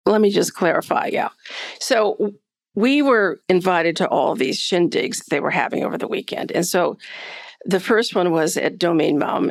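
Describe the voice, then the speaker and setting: A woman guest in an interview, telling a lively, candid story with frequent laughter. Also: lowish voice, creaky, no room sound.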